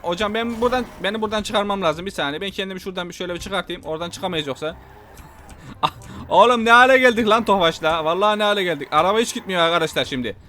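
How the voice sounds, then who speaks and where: High, bright excitable young man gaming. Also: very fast, a little hiss or hum. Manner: excitable, loud exclamations, repeats his lines, laughs often. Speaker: gameplay streamer. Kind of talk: excited gameplay commentary.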